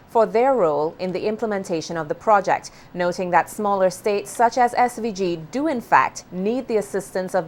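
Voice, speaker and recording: A woman anchoring a local television newscast, reading scripted news items in a measured, formal way. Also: medium pitch. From Saint Vincent and the Grenadines.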